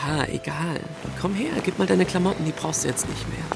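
Heavy vocal fry, swinging intonation, cheeky young student, sensual, laid-back, radio drama, music behind. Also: medium pitch, lively intonation, brisk. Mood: cheeky, languid. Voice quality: creaky. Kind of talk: radio play dialogue.

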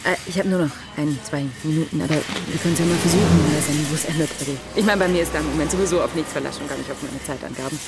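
A wry, worn woman in her thirties for a radio drama. Her voice sits fairly low. She talks casually and hesitantly, understating everything with dry frankness. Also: very fast, hardly any pauses, over loud music. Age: 30s. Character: frazzled, wry woman of 32 thrown between strange situations. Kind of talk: naturalistic German radio drama acting.

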